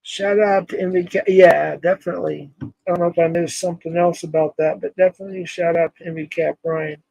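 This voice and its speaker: A man's voice: fairly high pitch, steady tone, brisk, creaky, darkish tone, no echo, rough recording. A man in his forties hosting a casual livestream, rambling, laughing often and greeting chat viewers by name. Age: 40s. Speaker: livestream host.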